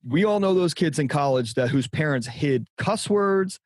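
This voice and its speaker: A man's voice: on the high side, animated, moderate pace, no room sound. A middle-aged man, a guest on a podcast, speaking directly and emphatically about relationships. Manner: emphatic, direct, repeats for stress. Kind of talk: conversational interview.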